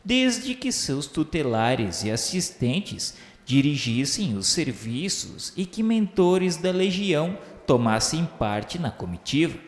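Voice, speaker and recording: A man with a Brazilian accent playing a solemn spirit who recounts his memoirs in formal, measured radio novel narration. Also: mid-range voice. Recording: echoing hall reverb over music.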